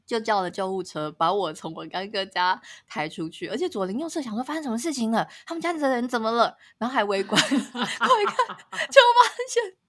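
With a quick pace and few pauses, a woman on a podcast recounts a story as co-host in casual chat. She laughs a lot and her voice shoots up in pitch whenever things get dramatic.

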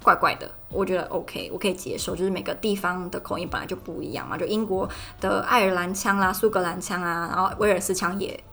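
Fast-talking young Taiwanese woman podcaster. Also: lowish voice, a bit bright. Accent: Taiwanese Mandarin. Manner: fast, chatty ranting monologue. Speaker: podcast host. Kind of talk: casual podcast chat. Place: student dorm room. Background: faint background music.

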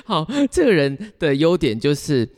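A podcast co-host with a Taiwanese Mandarin accent chats casually and tells personal stories, giggling and rambling as he goes. His voice is a little high, sing-song and slightly mellow, at a normal speed, and the recording sounds reverberant, like a hall.

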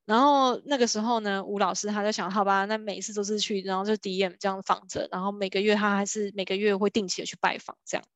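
A Taiwanese woman with a mid-range voice and a steady tone talks fast with few pauses, recorded dry. She shares a B2B sales book in a casual lecture style, chatty and full of fillers like 哈 and 哦, acting out the people she quotes.

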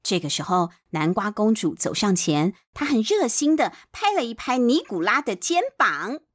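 A woman's voice: medium pitch, very animated, normal speed. A woman with a Taiwanese accent narrating a children's bedtime story expressively, with playful asides. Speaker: children's storyteller, podcast host. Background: clear background music.

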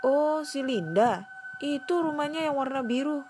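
A woman's voice: high-pitched, expressive, a little slow, voice pushed up. A woman voicing a friendly middle-aged neighborhood man giving directions, over a noisy recording. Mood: helpful. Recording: noisy background hiss.

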